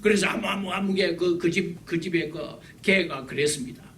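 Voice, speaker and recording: A man preaching a sermon, emphatic and repetitive, his loudness swinging widely. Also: high voice, moderate pace. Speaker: pastor. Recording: distant mic with faint background hiss.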